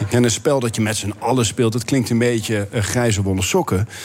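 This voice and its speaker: A man speaks at a fairly quick pace with a medium pitch. His is an unremarkable speaking voice. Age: 40s. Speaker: game designer. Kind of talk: casual chat.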